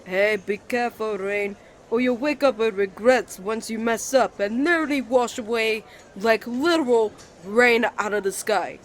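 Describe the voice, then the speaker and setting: A man's voice: high-pitched, measured pace, a bit bright. A man voicing a kind, earnest young twin brother who gets nervous and stammers easily in a romantic roleplay. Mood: flustered, defensive. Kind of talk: ASMR romantic roleplay acting.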